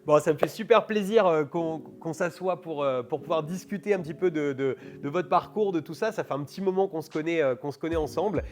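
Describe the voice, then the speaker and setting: A man's voice: fairly high pitch, a little fast, hardly any pauses, darkish tone, faint music behind. A man hosting an interview, talking in long, rambling turns. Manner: rambling, full of fillers and restarts. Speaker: host. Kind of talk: casual interview chat.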